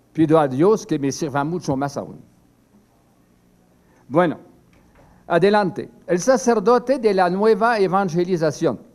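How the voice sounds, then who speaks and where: Older man, native French speaker, priest's seminar talk, fairly high voice, halting delivery. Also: darkish tone. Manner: slow and halting, with many fillers and restarts. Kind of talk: prepared talk read from a text.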